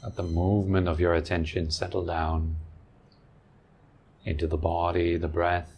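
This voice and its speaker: A man leading a guided meditation as a teacher, giving calm, gentle instructions in short phrases with long pauses. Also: sits low, breathy edge. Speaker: meditation teacher and podcast host.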